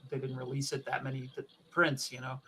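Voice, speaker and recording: A man in his fifties tells stories in a dry, anecdotal way. His delivery stays flat and even, with little rise and fall in pitch. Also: a little fast, slight background noise. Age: 50s. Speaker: podcast co-host. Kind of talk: casual storytelling chat.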